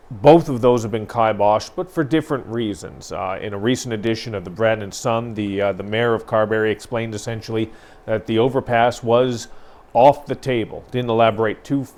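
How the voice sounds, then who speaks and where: A man's voice: lowish voice, fairly even intonation, normal speed, darkish tone. Earnest man discussing local news. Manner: earnest, emphatic, builds to frustration. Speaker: newspaper editor co-hosting a news talk show. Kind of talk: conversational news commentary.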